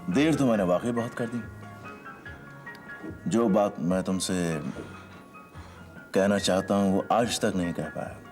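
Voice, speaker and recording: A man playing a deep-voiced shy young lover. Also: darkish tone, faint music behind, natural voice. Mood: tender, hesitant. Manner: halting, tender. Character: hesitant young man in love, Karan. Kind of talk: TV serial drama acting.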